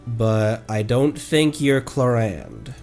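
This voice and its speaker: A man giving casual livestream gameplay commentary, halting as he thinks aloud. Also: mid-range voice, sing-song, darkish tone. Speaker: game streamer. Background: game music.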